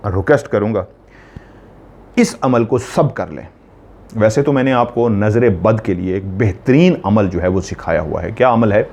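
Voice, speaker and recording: A man with a low, dark and mellow voice teaches spiritual remedies in a slow, earnest, repetitive way. He lays out every step plainly and goes over it again. The sound is a bit dull and lo-fi. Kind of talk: instructional talk on spiritual remedies.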